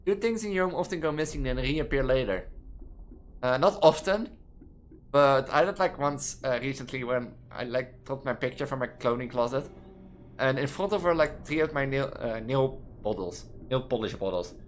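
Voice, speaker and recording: A young trans woman with a Dutch accent, reading quiz questions aloud and answering them in a rambling, halting way that restarts words mid-sentence, from her student apartment. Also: a bass voice, slight background noise. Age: young adult. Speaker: gaming video creator.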